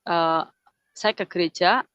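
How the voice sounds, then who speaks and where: A woman's voice: lowish voice, takes it slowly, fairly bright tone, clean tone, no echo. A middle-aged woman giving an emotional personal testimony in casual storytelling, repeating herself and acting out dialogue. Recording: dull lo-fi sound.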